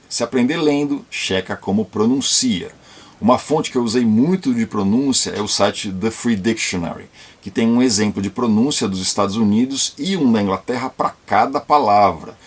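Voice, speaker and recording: São Paulo-accented man, casual English-learning tips, slightly low voice. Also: slightly rough. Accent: Brazilian Portuguese, São Paulo. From São Paulo, Brazil. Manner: slow, deliberate when modeling pronunciation. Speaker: YouTube channel presenter.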